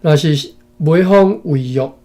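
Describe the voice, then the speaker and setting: A man from Taiwan with a mellow, fairly high voice reads an old text aloud. He goes phrase by phrase and breaks off for asides to his listeners, often ending them with a tag particle. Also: slow. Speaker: reader and commentator. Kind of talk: reading a historical text aloud with commentary.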